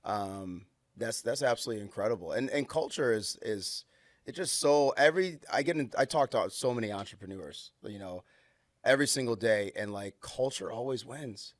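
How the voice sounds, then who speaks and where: A man's voice: mid-range voice, expressive, normal speed, no room sound. Chatty man hosting, dry close sound. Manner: affirming, chatty, lots of fillers and backchannels. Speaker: podcast host. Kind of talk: casual interview chat.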